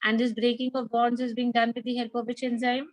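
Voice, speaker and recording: A woman's voice: fairly high pitch, completely flat delivery, brisk, no echo, poor audio. A woman with a South Asian accent teaching a biology class, repeating key points and prompting students with questions. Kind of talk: interactive lecture with questions to students.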